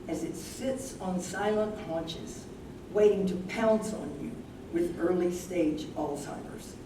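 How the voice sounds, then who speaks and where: A woman acting as an older wife with Alzheimer's, reflective and candid, speaking slowly and deliberately. It is a stage reading picked up from a distance, with clear background noise. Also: on the low side. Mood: grave. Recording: roomy, distant, noisy live stage recording.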